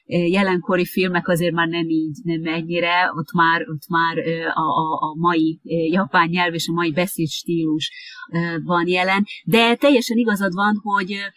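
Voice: mid-range voice, steady tone, a bit bright, no echo. Hesitant interviewer with a dry, close sound. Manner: hesitant, many filler sounds. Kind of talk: conversational interview. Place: lives in Japan.

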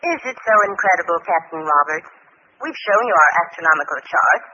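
A man's voice: fairly high pitch, animated, brisk, pushed and bright. An actor playing an assured male alien official who explains patiently, in a 1950s radio drama. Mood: explanatory. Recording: muffled, noisy old radio recording.

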